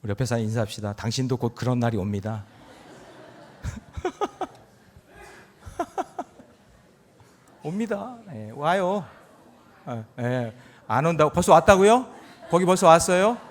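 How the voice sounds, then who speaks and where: A middle-aged male pastor gives a Sunday sermon, talking to the congregation like a friend, with jokes and asides. His voice sits somewhat high for a man and swings widely in pitch as he builds toward stressed points. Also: slow, pauses often. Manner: lively and conversational, with jokes and rising emphasis. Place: church sanctuary.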